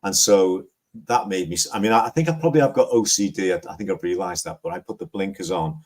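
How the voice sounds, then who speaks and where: A man in his sixties with a Liverpool accent, chatting on a livestream in a slow, rambling way. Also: low voice, darkish tone. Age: 60s. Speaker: guest. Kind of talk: casual livestream chat.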